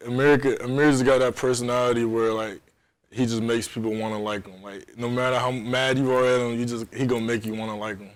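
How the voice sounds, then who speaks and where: A young man being interviewed as a college football guest, answering in a relaxed, polite way with plenty of "like" fillers. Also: medium pitch, a little fast. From Japan. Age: young adult.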